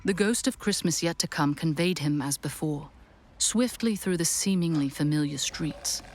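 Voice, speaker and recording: A woman playing the storyteller of a Victorian ghost tale, narrating dramatically in a measured, suspenseful way. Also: sits low, a little mellow, slight background noise, lightly acted. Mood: solemn suspense.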